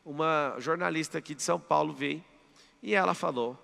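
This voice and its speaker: A man with a Brazilian Portuguese accent leads a live motivational seminar, pressing his audience with emphatic commands. His voice sits high and is deeply gravelly, with a forceful, bright edge. Long reverb from the big hall trails each phrase. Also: moderate pace. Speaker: mentor.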